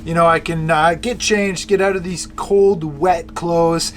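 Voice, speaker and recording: A man's voice: fairly high pitch, steady tone, unhurried. A man talking casually to camera as a vlog presenter, hesitating and correcting himself as he goes. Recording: music behind the voice.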